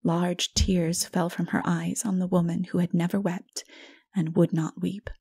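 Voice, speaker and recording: A woman narrating a dark fantasy audiobook dramatically, in a solemn, measured manner that is hushed at times. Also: on the low side, little pitch movement, husky.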